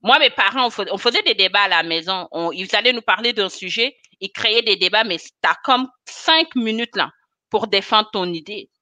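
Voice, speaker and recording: A woman in her thirties talks animatedly over a video call, a bright, forceful voice with frequent laughs. The sound is dry and close, with no room echo. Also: mid-range voice, moderate pace. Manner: animated, expressive, laughs often. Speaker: guest, chemist and cosmetics consultant. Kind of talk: casual video-call interview. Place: small room indoors. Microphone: webcam on a video call.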